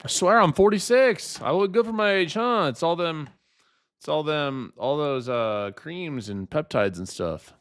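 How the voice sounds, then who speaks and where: A man's voice: a little high, animated, unhurried, clear, resonant tone. Give me a man in his late twenties bantering with his stream viewers as he trades. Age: 20s. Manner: joking, teasing with chat, laughs often. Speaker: day trading streamer. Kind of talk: casual live-stream chat.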